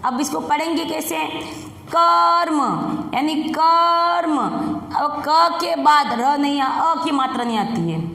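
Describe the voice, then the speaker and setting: A woman teaching Hindi to young children in an online class, coaxing them along and stretching out words slowly, with a Rajasthani Hindi accent. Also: sits high, creaky, fairly bright tone. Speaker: primary school Hindi teacher. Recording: echoey room with long reverb.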